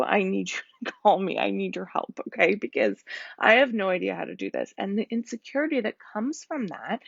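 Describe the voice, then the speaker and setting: A woman in her thirties with a husky, tired voice, talking candidly and rambling a little on a live stream from home. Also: medium pitch, no room sound. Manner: candid, rambling, laughs often. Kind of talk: casual live stream talk. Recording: dull lo-fi sound.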